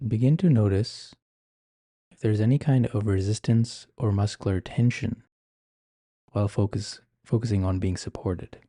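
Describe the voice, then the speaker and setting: Male meditation guide: deeply relaxed, mellow low voice, gentle ASMR-like instruction, dry intimate recording. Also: no echo. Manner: gentle, measured, unhurried phrasing with soft instructions.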